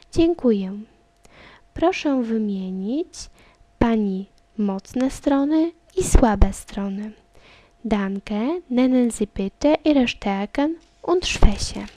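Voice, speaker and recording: Mellow-voiced woman reading a lesson. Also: a little high, no room sound. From Poland. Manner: reads each line in German, then in Polish, then repeats the German slowly. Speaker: German teacher. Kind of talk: reading a language lesson dialogue.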